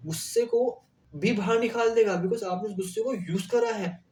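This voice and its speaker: Self-help speaker, male, direct and earnest, mellow tone, roomy distant sound. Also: high-pitched, normal speed, slight background noise. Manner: earnest, direct, mixing English phrases. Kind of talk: motivational talk.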